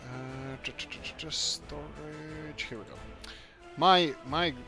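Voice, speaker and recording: A man's voice: a little high, fairly even intonation, slow, gravelly. A man from Croatia, hosting a let's-play game video and thinking aloud as he builds, often searching for words. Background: background music.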